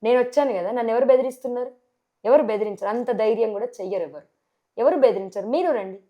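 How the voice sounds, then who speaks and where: A woman with a Telangana Telugu accent speaks as a local election candidate in a TV interview. Her voice sits a little high with a dark, mellow tone. She argues forcefully and keeps firing rhetorical questions. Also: fast talker, muffled recording. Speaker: sarpanch candidate. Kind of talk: TV interview answers.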